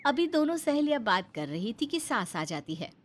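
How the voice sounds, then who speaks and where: A woman's voice: on the high side, very animated, moderate pace, music in the background. A woman narrating a cartoon story in a plain storytelling manner.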